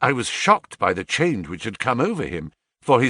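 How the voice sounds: The background is silent. What you hear is a natural reading voice.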